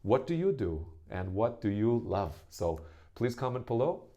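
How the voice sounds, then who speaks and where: In a muffled recording, a thirtysomething American English teacher introduces himself to his class on camera, unhurried and mellow. His lowish voice swings widely in pitch, and he casually tosses in "right?" again and again.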